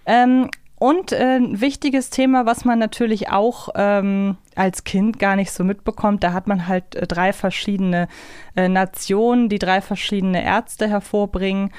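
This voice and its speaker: A woman with a smooth, clear voice of medium pitch chats as a podcast co-host. She is casual and reflective, in a dry, close recording. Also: steady tone, measured pace, darkish tone, no echo. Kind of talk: casual conversational discussion.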